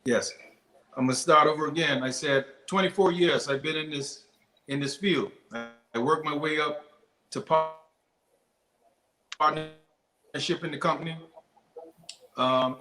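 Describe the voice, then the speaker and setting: A man who is a guest business owner on a live call-in show, his voice coming through robotic and glitchy over a lagging phone video call as he talks in halting, restarted sentences. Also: on the high side, fairly even intonation, sharp tone, reverberant. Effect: robotic, glitchy video-call audio.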